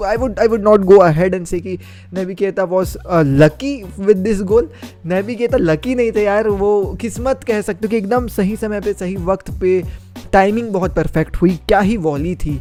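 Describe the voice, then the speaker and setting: This is a young man reviewing a football match in a chatty, opinionated way. His voice sits a little high yet sounds warm and mellow. Faint music plays quietly behind him.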